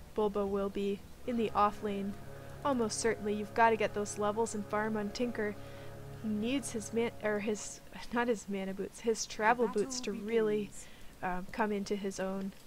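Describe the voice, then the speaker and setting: A woman's fairly high voice, monotone and flat, over background music. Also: moderate pace. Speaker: esports caster. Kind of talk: live esports game commentary.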